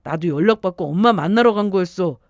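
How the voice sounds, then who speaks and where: A woman's voice: fairly low pitch, animated, fast talker, darkish tone, dry recording, studio quality. A woman voicing a defensive young husband, a mama's boy, in a story radio dialogue. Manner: pleading, defensive.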